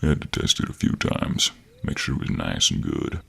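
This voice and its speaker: A man playing a cocky, flirtatious and menacing cowboy monster hunter in an audio roleplay, with a very deep, gravelly voice and a slow American cowboy drawl. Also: sharp tone, close to an everyday voice. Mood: teasing, smug. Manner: slow, teasing drawl with terms of endearment. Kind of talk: intimate scripted audio roleplay.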